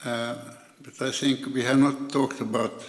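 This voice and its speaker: Male panelist, unhurried, musing, voice ringing in a big hall. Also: mid-range voice, flat delivery. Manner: slow, musing, trailing off quietly. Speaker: panel speaker. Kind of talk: panel discussion. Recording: echoey hall.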